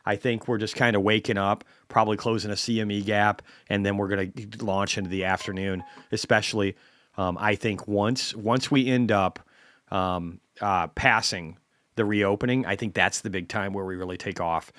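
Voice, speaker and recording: A man's voice: fairly low pitch, fairly even intonation, normal speed, fairly bright tone, no room sound, clean studio sound. Blunt, profane male stream host. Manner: blunt, heavily profane, ranting. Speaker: host of a market commentary stream. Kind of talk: unscripted ranting commentary.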